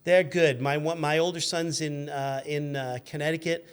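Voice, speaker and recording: A man's voice: fairly high pitch, steady tone, normal speed, clean tone. A man in his fifties telling stories casually as a guest, correcting himself as he goes. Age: 50s. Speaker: guest, car magazine editor. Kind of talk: casual conversational storytelling.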